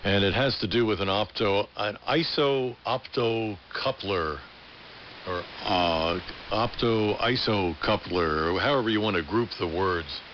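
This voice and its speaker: Male ham operator, lower register, explanatory and a bit halting, muffled shortwave sound with clear hiss. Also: fairly bright tone. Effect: AM shortwave radio transmission. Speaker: amateur radio operator. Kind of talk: casual technical chat over ham radio. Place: amateur radio station, heard through a receiver. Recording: muffled, hissy shortwave radio reception.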